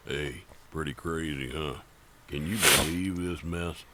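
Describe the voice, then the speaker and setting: An actor playing a worried, folksy bird keeper in a video game. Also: male voice, rumbling low, steady tone, a little slow. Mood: rueful, worried. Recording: game audio with background noise.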